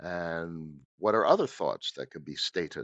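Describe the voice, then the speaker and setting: A man speaks at a very slow pace. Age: 40s. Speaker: crypto livestream host. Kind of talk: live stream talk to viewers. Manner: hesitant with many fillers.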